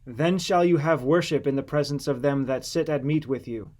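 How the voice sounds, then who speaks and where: A man's voice: a little high, steady tone, moderate pace, a little mellow, close to an everyday voice. A man reading the part of a firm, authoritative male preacher in a scripture audiobook, in a solemn, declamatory manner. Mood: solemn, instructing.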